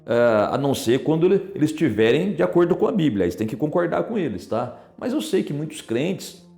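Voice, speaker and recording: A man's voice: fairly high pitch, big pitch swings, brisk, gravelly, warm tone, roomy sound, soft background music. A male pastor with a Brazilian Portuguese accent, preaching a sermon, full of rhetorical questions and tag questions.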